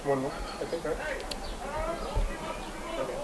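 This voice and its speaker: A man's voice: fairly high pitch, very animated, slow, gravelly, a little hiss or hum. A man chatting casually and off-hand, away from the microphone.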